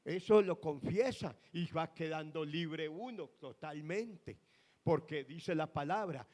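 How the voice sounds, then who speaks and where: Pastor guy preaching hard, high pitched, big echoey church hall. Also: a little mellow. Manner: impassioned preaching with emphatic bursts. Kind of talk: sermon. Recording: long reverb in a church hall.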